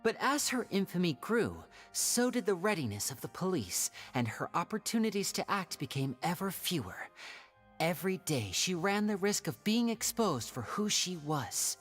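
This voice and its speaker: A woman playing a shrewd young magician in a video game, telling stories in a theatrical, measured, wry way. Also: fairly low pitch, sing-song, breathy edge, soft background music. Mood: dramatic storytelling. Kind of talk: video game voice acting, dramatic storytelling.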